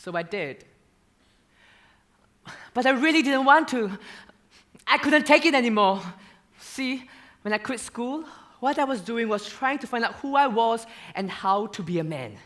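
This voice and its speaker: A young man acting a stage monologue as a gay male dancer who haltingly confesses his painful past in a theater. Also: high-pitched, expressive. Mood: confessional. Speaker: student actor in a stage musical.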